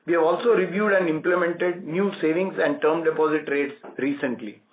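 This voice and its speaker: A man with an Indian accent, a bank executive formally reading prepared results on an earnings conference call. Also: fairly high pitch. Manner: formal, measured corporate reading. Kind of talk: scripted earnings call presentation. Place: conference call over phone. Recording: tinny, roomy phone line with static.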